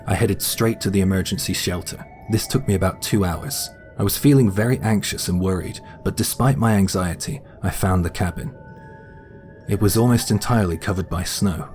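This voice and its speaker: Casting: male narrator with a very low voice, steady matter-of-fact storytelling, light music bed. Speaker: guest narrator. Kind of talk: scripted first-person story narration.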